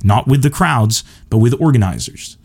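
He's a Lebanese stand-up comedian talking through listener questions alone on his podcast. His medium-pitched voice is expressive and a little mellow, at normal speed, with an earnest, emphatic, self-assured delivery.

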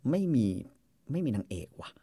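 A man's voice: normal speed, warm tone, dry recording, clean studio sound. A man in casual chat, musing aloud with rhetorical questions and casual swearing.

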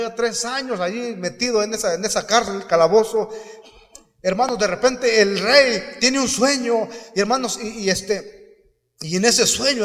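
A man preaches in a church, his voice pitched high as he tells the story and acts out each quote. He keeps turning to the brethren as he goes, and his words ring out with the long echo of a hall. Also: a bit bright. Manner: storytelling with acted quotes, repeats "hermanos" often. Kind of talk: sermon.

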